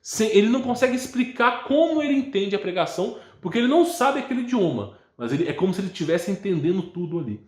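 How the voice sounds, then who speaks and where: Lively, rambling Brazilian man in an echoey room. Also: high-pitched, fast, few pauses. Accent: Brazilian Portuguese. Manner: rambling, restarts words, ends phrases with a checking "tá?". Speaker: channel host answering viewer questions. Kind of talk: casual religious talk.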